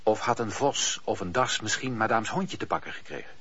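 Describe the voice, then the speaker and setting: A man playing the storyteller of a radio drama, giving measured literary narration. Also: fairly low pitch, lively intonation, sharp tone, husky, dry recording, exaggerated voice. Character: male storyteller narrating a period novel. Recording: dull old radio recording.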